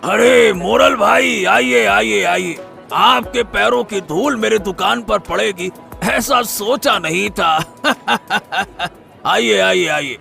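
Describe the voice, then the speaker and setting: A man voicing a flattering, eager-to-please village meat seller with a gravelly, high voice in a cartoon story. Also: slow, soft background music, exaggerated voice. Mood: fawning. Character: fawning male village meat seller, middle-aged. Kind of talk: Hindi cartoon voice acting.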